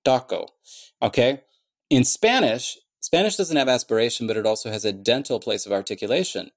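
A man's voice: mid-range voice, animated, a little fast. A man in an interview explaining how he built a language, thinking aloud with many fillers and restarts. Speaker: conlang creator answering questions.

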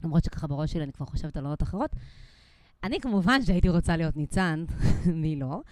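A woman's voice: low-pitched, lively intonation, darkish tone, dry recording, studio quality. A woman co-hosting a podcast in casual chat, talking chattily with lots of fillers and poking fun at herself. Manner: chatty, filler-heavy, self-deprecating. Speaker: podcast co-host.

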